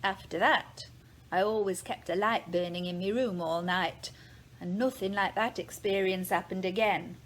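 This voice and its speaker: A woman playing an earnest, frightened nursemaid of the 1910s, telling a ghost account in a measured, theatrical way. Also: mid-range voice, fairly even intonation, a bit bright, lightly acted, rough recording. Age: middle-aged. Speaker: actor in a dramatic reading. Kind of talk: dramatic reading of a first-person ghost account. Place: indoors, large living room. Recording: clear background noise, room ambience.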